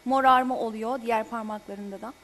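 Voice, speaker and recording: A woman hosts a health program, asking short questions and answering her guest in brief replies. Her voice is high. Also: fairly even intonation, a little fast, a crowd in the background. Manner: short backchannel replies and questions, laughs along. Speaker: program host.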